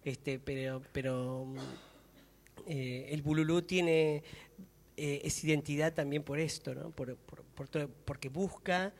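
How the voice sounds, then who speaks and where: A man's voice: on the high side, steady tone, unhurried. A man with an Argentine accent in a reflective public conversation about theatre, hesitant and searching for words as he thinks aloud. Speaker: actor and theatre maker. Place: public talk in a hall. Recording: reverberant hall.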